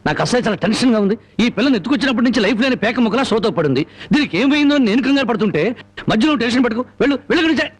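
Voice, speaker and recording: A man's voice: very high voice, lively intonation, racing, breathy edge, heavily acted. An actor playing a fiery, defiant man who confronts a village elder and mocks a kidnapped girl, in a film soundtrack with music behind. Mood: mocking. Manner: fierce, mocking speeches. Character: fiery defiant male avenger Rambabu. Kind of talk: Telugu film drama acting.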